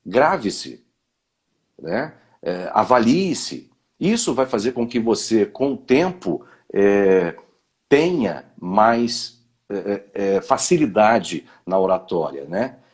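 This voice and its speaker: A man's voice: lowish voice, very animated, takes it slowly, breathy edge. A man, a guest on a live talk, giving advice on public speaking in short commands with frequent "né?" tags. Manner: didactic, gives advice in short imperatives with many "né?" fillers. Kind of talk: live online conversation.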